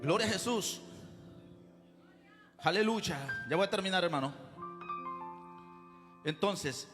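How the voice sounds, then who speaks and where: A male pastor preaches fervently in a church hall, punctuating his points with exclamations. His voice sits very high and carries a long reverb through the hall. Music plays clearly underneath. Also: lively intonation, slow. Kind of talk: sermon.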